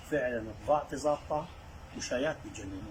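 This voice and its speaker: A man with a rural Syrian accent talks at a fairly quick pace in a medium pitch. Noticeable background noise runs behind him. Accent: Syrian, Ruhaiba rural dialect. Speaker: stove seller. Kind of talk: comic local advertising sketch.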